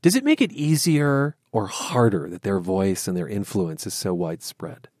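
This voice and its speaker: A man from Southern California with an American accent, hosting a public radio interview in a measured, articulate way. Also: lowish voice, animated, darkish tone, no room sound, clean studio sound. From Southern California, USA.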